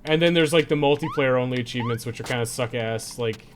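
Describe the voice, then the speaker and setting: A man's voice: mid-range voice, quick pace, slight background noise. A man chatting casually as he streams a game, rambling and swearing freely as he goes. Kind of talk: casual livestream chat while playing.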